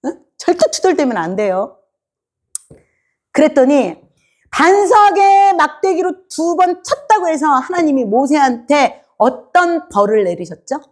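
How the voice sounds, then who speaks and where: A woman's voice: high-pitched, lively intonation, a little slow, darkish tone. A woman preacher giving a sermon in a church, quizzing her congregation and acting out the people she talks about. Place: church sanctuary.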